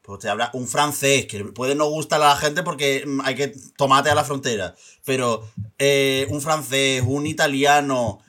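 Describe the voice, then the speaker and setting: A man's voice: mid-range voice, steady tone, normal speed, bright, forceful tone. A man with an Andalusian accent, co-hosting a podcast in chatty, joking conversation. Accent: Andalusian Spanish. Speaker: podcast co-host. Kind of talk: casual chat.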